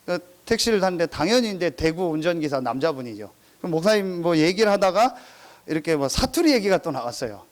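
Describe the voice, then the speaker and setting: A male pastor preaches in a fairly high voice, telling funny stories to his congregation. His pitch leaps up and down as he acts out regional dialects and laughs at his own jokes. He keeps drawing listeners in with rhetorical questions. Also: sing-song, quick pace. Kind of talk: sermon with humorous anecdotes.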